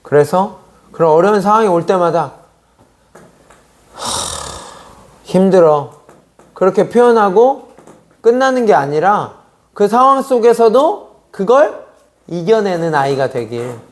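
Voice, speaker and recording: A man's voice: high-pitched, very animated, normal speed. Conversational Korean man preaching a sermon. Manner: conversational preaching with rhetorical questions. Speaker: preacher at a youth service. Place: church sanctuary.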